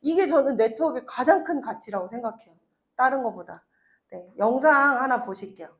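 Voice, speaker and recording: Woman, thirties, high-pitched, motivational speaker, chatty storytelling. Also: expressive, fairly quick. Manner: chatty storytelling with laughs and acted quotes. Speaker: network marketing speaker. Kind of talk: motivational talk to an audience.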